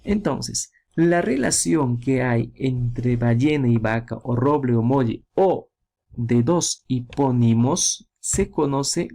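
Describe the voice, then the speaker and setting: A man's voice: mid-range voice, expressive, slow pace, creaky, dark tone. A man teaching a grammar lesson, explaining with examples and asking checking questions.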